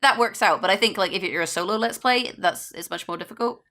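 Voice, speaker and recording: A woman's voice: medium pitch, quick pace, bright, forceful tone. A woman content creator chatting casually and informally as a guest on a gaming podcast.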